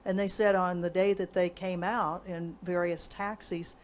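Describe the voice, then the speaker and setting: A woman's voice: fairly low pitch, level tone, a little slow, slight background noise. A woman in the audience asking questions and adding a conversational comment. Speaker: audience member. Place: lecture room.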